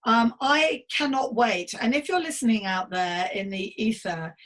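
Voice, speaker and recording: A woman's voice: on the high side, normal speed, a bit bright. A middle-aged woman hosting a podcast chat, talking in an effusive, encouraging, rambling way. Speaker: podcast host. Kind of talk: enthusiastic casual interview chat.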